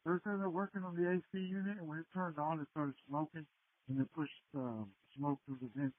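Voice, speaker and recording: A man's voice: on the high side, steady tone, a little fast. A man working as a firefighter, giving clipped, procedural commands and reports over a two-way radio. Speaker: firefighter on an incident radio channel. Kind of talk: terse emergency radio traffic. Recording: dull, band-limited two-way radio.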